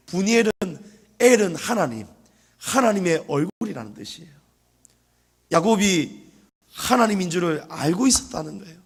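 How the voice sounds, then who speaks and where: A male pastor preaches in a church, dramatic and questioning his listeners. His voice sits high for a man and rises and falls dramatically. He keeps turning to the congregation with questions. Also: a bit bright. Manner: dramatic, acts out scenes and asks the congregation questions. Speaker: senior pastor. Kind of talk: sermon. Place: church sanctuary.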